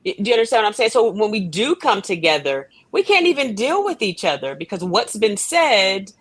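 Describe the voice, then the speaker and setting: A woman's voice: mid-range voice, very animated, brisk, slightly rough, no room sound. A woman guest in a conversational interview, speaking earnestly and emphatically and often posing rhetorical questions. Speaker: guest from a stage play production.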